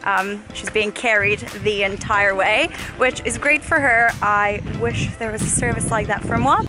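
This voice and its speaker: A woman in her twenties from the Czech Republic with a blended British and North American accent, chatting excitedly as a travel vlogger. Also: medium pitch, unhurried, poor audio. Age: 20s. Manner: chatty and excitable, laughs often. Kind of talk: casual vlog narration. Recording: music playing behind voice-over.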